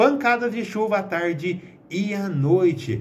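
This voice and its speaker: A man is talking. Light background noise sits under his voice. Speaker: radio host. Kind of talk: radio show banter and weather report. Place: studio.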